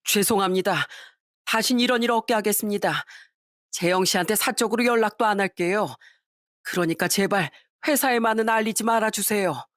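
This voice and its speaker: Woman voicing a wheedling older boss man, excuse-making, medium pitch, dry sound. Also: moderate pace, fairly bright tone, no room sound, close to an everyday voice. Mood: pleading. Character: older male office boss, pushy and pleading.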